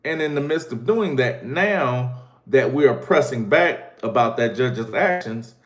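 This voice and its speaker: Male legal commentator with a stuffy nose, mid-pitched, casual explainer who stresses key phrases, recorded in a reverberant room. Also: expressive, a little slow. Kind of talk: explanatory legal talk to camera.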